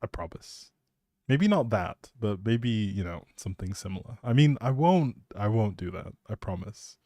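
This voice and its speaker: A man's voice: on the low side, lively intonation, normal speed, mellow, dry recording, studio quality. A young man rambling casually on a game livestream, playful and jokey as he chats back to viewers. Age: young adult. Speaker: live streamer and audio creator.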